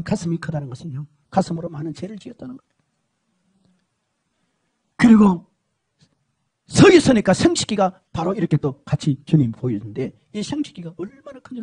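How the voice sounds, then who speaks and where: A man preaching a dramatic testimony, swinging between shouting and hushed speech. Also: high-pitched, breathy edge. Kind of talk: emotional sermon testimony.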